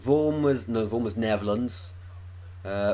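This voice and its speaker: A man with an English accent speaks at a fairly slow pace with lively intonation. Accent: sounds English rather than Welsh. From Wales. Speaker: football streamer. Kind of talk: live watchalong commentary and chat. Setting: live stream. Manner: casual, chatty.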